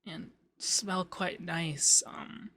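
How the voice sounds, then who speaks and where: Man playing a bright-voiced, shy, flirty femboy. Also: sits high, steady tone, slight background noise, full character voice. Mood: flustered, shy. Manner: halting, stammering, coy. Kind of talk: intimate ASMR roleplay.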